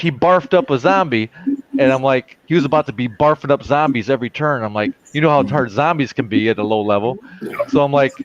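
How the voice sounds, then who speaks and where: Excited stammering man in his forties. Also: a little high, highs cut off, a little hiss or hum. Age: 40s. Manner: excited storytelling with stammered restarts. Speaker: dungeon master and show regular. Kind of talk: casual chat on a video call. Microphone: headset on a video call.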